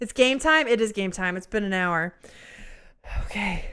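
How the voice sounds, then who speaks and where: On a very clean recording with a silent background, a woman talks at a moderate pace. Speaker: streamer. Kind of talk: casual chat. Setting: live stream. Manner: crisp enunciation.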